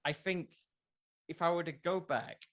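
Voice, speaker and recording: A man's voice: fairly high pitch, a little slow, a bit bright. Young man chatting as an interview guest. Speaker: interview guest, wrestling content creator. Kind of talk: casual interview chat.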